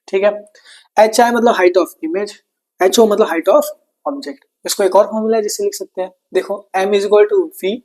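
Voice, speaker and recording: A man's voice: sits high, a little mellow. A man teaching an exam-prep science lesson, chatty and playful, asking questions and answering them himself like a student. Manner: chatty, plays both teacher and student in quick back-and-forth.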